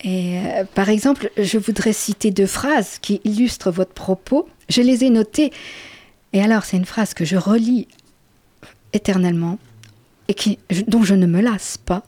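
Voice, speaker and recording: A woman's voice: mid-range voice, moderate pace, no echo. A woman interviewing an author about his novel and reading passages aloud. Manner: reads quotations aloud, warm praise. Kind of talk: literary interview.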